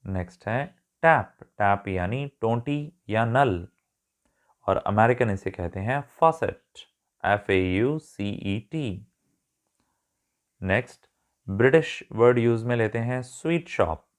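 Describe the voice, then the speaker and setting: Slow, low-voiced man teaching English words. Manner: spells words out letter by letter; mixes English words into his explanations. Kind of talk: explaining vocabulary in a spoken lesson.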